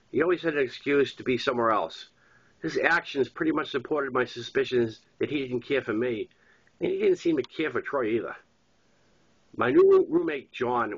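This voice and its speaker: A man's voice: mid-range voice, a bit bright, slightly rough. Congested Boston-accented man reading aloud. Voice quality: congested, stuffy nose. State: congested from a head cold. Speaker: author reading his own novel. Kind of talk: narrated memoir-style audiobook reading. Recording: dull lo-fi recording.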